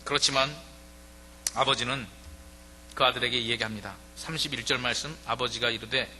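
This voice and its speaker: Man preaching in a bright, echoing hall. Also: mid-range voice, normal speed, slight background noise. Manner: conversational preaching, acts out quoted voices. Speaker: pastor. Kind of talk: sermon. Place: church sanctuary.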